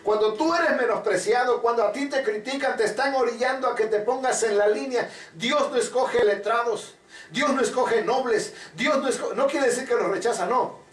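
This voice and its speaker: A man preaches a sermon with fervent, repetitive emphasis, urging the congregation to repeat after him in an extremely high voice at a moderate pace. The mic is distant, the room echoes, and faint music plays underneath.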